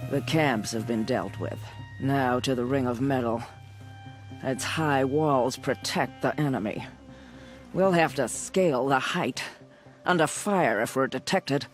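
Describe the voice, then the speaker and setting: A woman's voice: extremely low pitch, unhurried, faint music behind. A woman playing a stern tribal war chief in a video game, speaking in a commanding, solemn, declamatory manner. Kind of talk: video game dramatic dialogue.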